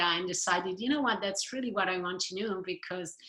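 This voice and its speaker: A woman speaks with a French accent. Her tone is bright and sharp. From France. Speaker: psychotherapist. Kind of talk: podcast interview.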